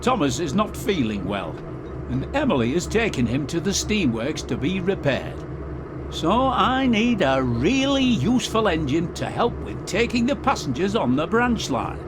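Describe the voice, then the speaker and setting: A man's voice: fairly high pitch, sing-song, moderate pace, noisy background. A man voicing a kindly, authoritative railway controller who speaks formally and reassuringly in a storybook train game. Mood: pleased, businesslike.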